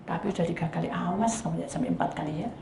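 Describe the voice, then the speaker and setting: A woman's voice: racing, reverberant, a little hiss or hum. A woman pastor preaching a sermon, telling stories and speaking straight to the congregation. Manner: lively storytelling, acting out quoted spouses in a high voice; addresses the congregation directly.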